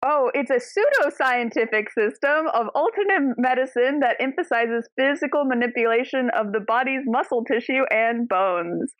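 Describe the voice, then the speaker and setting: Bubbly higher-voiced woman co-hosting. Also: normal speed, few pauses, no echo. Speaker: podcast co-host. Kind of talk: casual book club chat. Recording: dull lo-fi dry sound.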